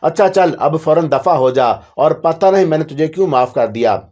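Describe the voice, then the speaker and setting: A man's voice: a little high, lively intonation, warm tone, lightly acted. A man voicing a stern, bossy old sorceress who scolds and commands. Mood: scolding.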